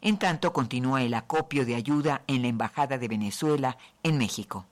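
A man reading the news as a radio anchor, in a measured, formal delivery. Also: mid-range voice.

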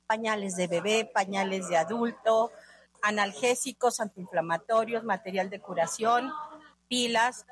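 A woman's voice: mid-range voice, breathy edge, poor audio. A woman spokesperson talking loosely in an interview, hesitant and full of fillers. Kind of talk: casual interview speech.

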